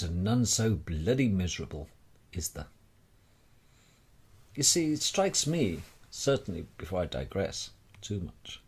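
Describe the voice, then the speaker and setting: A man delivering a rambling monologue straight to the listener in a wry, theatrical manner with deliberate dramatic pauses. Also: lowish voice, darkish tone, husky. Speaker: speaker sharing personal views.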